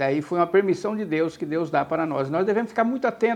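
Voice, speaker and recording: With a São Paulo accent, a man talks at a high pitch with ordinary pitch variation. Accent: São Paulo accent, noticeable in Ceará. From Southeast Brazil, São Paulo. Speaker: evangelical preacher. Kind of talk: sermon-style social media talk. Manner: repetitive, halting with self-repeats.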